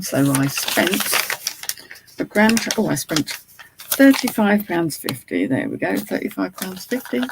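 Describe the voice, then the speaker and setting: A British man with a slight lisp from a mouth appliance and a husky, gravelly voice, rambling chattily to live viewers. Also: high-pitched, a little mellow, slight background noise, rough recording. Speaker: online reseller and streamer. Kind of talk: casual live chat to viewers.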